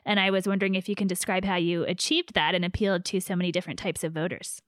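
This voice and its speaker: Female broadcast interviewer, lowish voice, dry booth, friendly and affirming. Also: steady tone, no room sound. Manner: warm, affirming, with quick back-channel replies. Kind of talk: radio interview.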